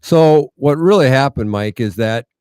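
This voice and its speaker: A man's voice: mid-range voice, lively intonation, unhurried, warm tone, clean tone, dry recording, clean studio sound. A middle-aged man with an American Midwestern accent, telling a story earnestly and with wry humor as an interview guest. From United States, rural Iowa. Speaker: interview guest, medical mission founder. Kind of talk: conversational storytelling.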